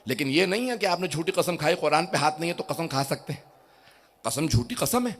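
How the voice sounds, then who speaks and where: A man preaching an impassioned sermon to a gathering, dropping to quiet asides and then building to loud, drawn-out shouted climaxes. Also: on the high side, animated, a little hiss or hum. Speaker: Shia cleric giving a religious lecture. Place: gathering before a crowd.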